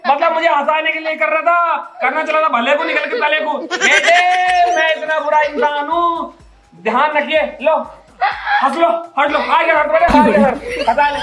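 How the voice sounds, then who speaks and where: A woman doing a gruff old village father-in-law. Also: high-pitched, fairly even intonation, moderate pace, roomy sound, music in the background, lightly acted. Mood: mocking. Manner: blustery, scolding, crude insults. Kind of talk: village comedy sketch acting.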